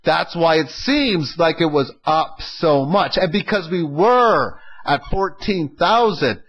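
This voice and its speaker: A man's voice: fairly high pitch, expressive, slow, breathy edge, highs cut off. A man hosting an informal economic commentary, speaking in an opinionated, emphatic way and often posing rhetorical questions. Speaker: host of an economic audio log.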